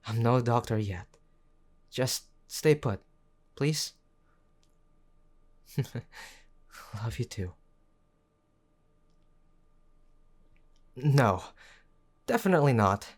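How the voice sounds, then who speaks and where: A man playing a gruff but tender tsundere boyfriend in an intimate audio roleplay, speaking in a halting, earnest way. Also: mid-range voice, lively intonation. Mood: soft, teasing. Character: gruff young tsundere boyfriend, worried, stubborn, tender underneath.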